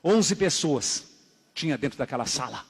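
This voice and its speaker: A man giving a dramatic religious testimony at a church service, telling his story emphatically and moving between loud exclamations and hushed narration. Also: medium pitch, expressive, moderate pace, breathy edge. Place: church hall. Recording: echoey hall reverb.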